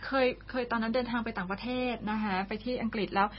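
A woman's voice: fairly high pitch, steady tone, fast. A woman with a Thai accent co-hosting a radio English lesson, chatting and often agreeing with the teacher. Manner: chatty, frequent agreeing interjections. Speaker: radio co-host. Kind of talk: casual co-hosted lesson chat. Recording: dull lo-fi broadcast sound.

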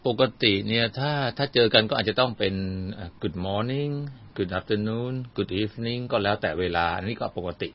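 A man's voice: on the low side, measured pace, hardly any pauses. An older man teaching simple phrases, patient and explaining step by step with examples, on a dull lo-fi recording. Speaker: English teacher guest. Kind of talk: explanatory lesson talk.

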